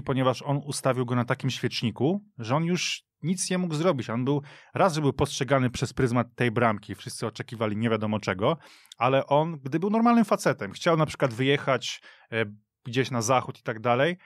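A man recounts football history on a studio radio show, lively and emphatic, landing firm judgments. His voice sits in an ordinary middle register. The sound is close and dry, with no room echo. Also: medium pitch. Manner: animated storytelling with emphatic verdicts. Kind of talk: studio podcast discussion.

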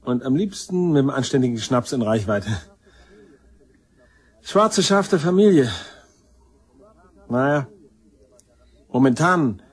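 An actor in a German crime radio play, playing a shiftless, boozy black-sheep brother confessing to police in slangy, self-deprecating talk. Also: male voice, medium pitch, animated, slow pace, pauses often, breathy edge. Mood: sheepish, rambling.

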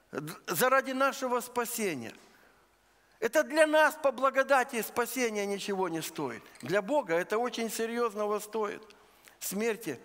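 A man from eastern Ukraine preaching a sermon in a church, earnest and deliberate, laying out his points one by one. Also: very high-pitched, fairly bright tone. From Luhansk region, Ukraine. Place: church sanctuary. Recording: long church hall reverb.

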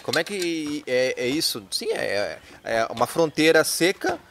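A man in his thirties from the Brazilian border region, an interviewer asking questions in a relaxed chat in a backyard with a handheld mic. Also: on the high side, unhurried, background noise. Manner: conversational, prompting questions. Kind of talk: casual interview talk. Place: outdoor backyard. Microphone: handheld microphone.

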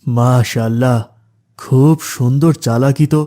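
A man voicing a calm, instructive male religious teacher in a cartoon. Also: mid-range voice, a little slow, close to an everyday voice.

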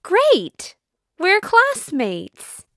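Slow, high-pitched woman reading lesson lines. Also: wildly swooping pitch, no echo, clean studio sound. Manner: slow, clearly enunciated. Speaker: dialogue reader. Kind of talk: scripted language-lesson dialogue.

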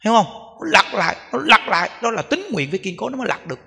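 A man's voice: high voice, big pitch swings, quick pace, vocal fry, pushed and bright. A male Buddhist monk with a Southern Vietnamese accent giving a sermon, emphatic and repetitive, often asking the audience rhetorical questions. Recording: long hall reverb.

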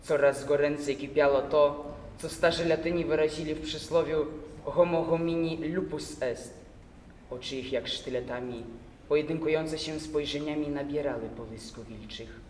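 A man's voice: on the high side, fairly even intonation, a little hiss or hum. Young man reciting prose in a hall. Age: young adult. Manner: measured, theatrical. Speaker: recitation contestant. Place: large hall, stage. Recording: echoey hall from far off.

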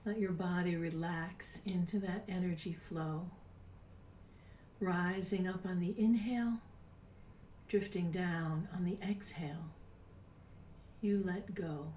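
A woman in her sixties leading a guided meditation in a soft, breathy, unhurried voice with long pauses, at times near a whisper. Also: lowish voice, steady tone. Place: small home room, indoors. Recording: roomy, distant mic with background noise.

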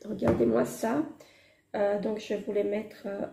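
A woman with a hoarse voice, chatting hesitantly through a makeup haul with many fillers and gushing exclamations. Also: medium pitch, flat delivery, measured pace, reverberant. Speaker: beauty vlogger. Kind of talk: casual makeup haul chat. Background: construction noise.

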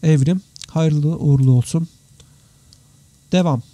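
Mellow, very dark-toned man, slightly worn. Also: on the high side, a little slow, no room sound. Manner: chatty, informal, addresses viewers as friends. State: tired, slightly worn voice after three hours of talking. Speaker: live stream host, 3D visualization teacher. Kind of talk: casual live Q&A, reading out and answering viewer comments. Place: indoors, computer live stream with screen share.

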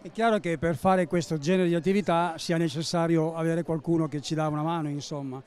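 A man in his sixties interviewing guests at an exhibition stand, asking brisk, friendly questions. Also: a little high, steady tone, darkish tone, clear, resonant tone. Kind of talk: interview at a book fair stand. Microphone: handheld mic.

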